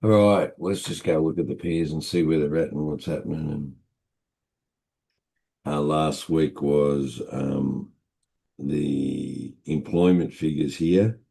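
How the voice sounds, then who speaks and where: An Australian man with a hoarse, croaky voice, hosting a live trading session in a relaxed, rambling way. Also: extremely low pitch, takes it slowly. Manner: relaxed, rambling with many fillers. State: hoarse after being ill. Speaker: forex trading host.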